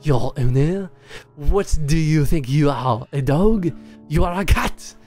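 A man's voice: fairly high pitch, lively intonation, slow pace, warm tone, soft background music. A man voicing a pompous male black cat philosopher in a put-on French accent. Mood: haughty. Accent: fake French accent.

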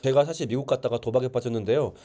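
A man's voice: mid-range voice, rapid-fire, warm tone, close to an everyday voice. A man voicing a young older brother who speaks earnestly and coaxingly to his sibling. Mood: confessing.

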